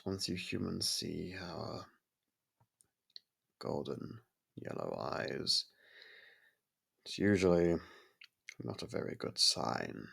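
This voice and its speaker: A man playing a courteous, brooding vampire in an intimate ASMR audio roleplay, with a gravelly, husky voice and halting, hushed delivery. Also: low voice, full character voice. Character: brooding male vampire, courteous, softened toward a human. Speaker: voice actor.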